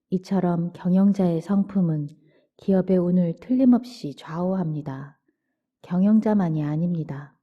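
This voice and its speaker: Soft-spoken woman reading a bedtime book. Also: fairly low pitch, slightly rough. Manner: soft, slow and gentle, sometimes near a whisper. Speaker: audiobook narrator. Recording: dull lo-fi audio.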